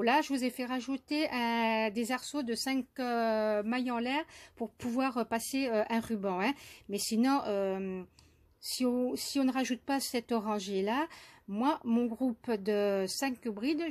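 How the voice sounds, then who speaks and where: A woman from France demonstrating crochet step by step, hesitant with many fillers and restarts, softly counting stitches under her breath. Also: on the high side. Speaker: crochet tutorial host.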